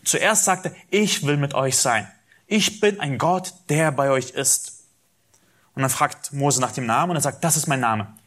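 A man's voice: medium pitch, a little slow, a bit bright. A man preaching a sermon, teaching from the Bible, speaking directly to his listeners and acting out quoted dialogue with animation.

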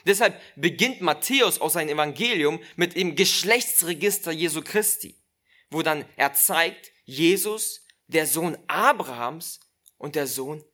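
A preacher giving a sermon, slow and emphatic, repeating key phrases and speaking directly to the listeners. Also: mid-range voice, expressive, bright, forceful tone.

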